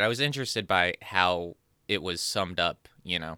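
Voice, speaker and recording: The recording is very clean, with a silent background and a dry, close sound with no echo. A man speaks in a bright, sharp tone. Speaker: podcast host. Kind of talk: casual monologue. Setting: home recording at desk. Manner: halting; rambling filler-heavy.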